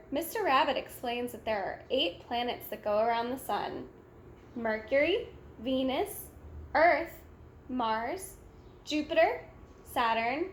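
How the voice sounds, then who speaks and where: Lady reading a kids book out loud, high voice, really slow n careful, echoey room. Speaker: storybook read-aloud reader. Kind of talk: children's storybook narration, read aloud. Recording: echoey room with faint background noise.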